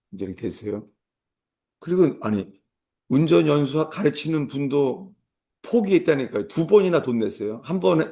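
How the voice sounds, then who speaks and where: Middle-aged male pastor, gravelly voice, sermon storytelling with comic timing and acted-out outbursts. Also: mid-range voice. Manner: storytelling with comic asides, acting out shouted commands.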